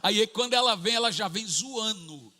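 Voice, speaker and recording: A man's voice: high-pitched, normal speed. A man in his forties with a Brazilian Portuguese accent, preaching a sermon and acting out funny family stories. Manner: animated storytelling, jokey, acts out family dialogue. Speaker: pastor. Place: large church hall. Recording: echoey church hall.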